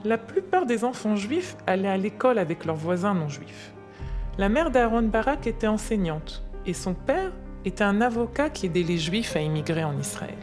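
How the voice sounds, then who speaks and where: A woman's voice: lowish voice, natural voice. Older grandmother storyteller over music played by a woman. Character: patient grandmother explaining wartime history to a child. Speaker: grandmother telling history to her grandchild. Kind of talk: explanatory storytelling to a child. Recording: music under the voice.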